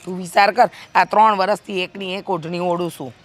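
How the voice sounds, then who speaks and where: An actress with a Kathiyawadi accent playing a sharp-tongued village housewife who argues and complains in an exasperated way. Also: female voice, lowish voice, steady tone, fairly quick, lightly acted. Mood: complaining. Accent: Kathiyawadi Gujarati. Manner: exasperated, nagging. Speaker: wife and sister-in-law. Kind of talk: village family drama acting.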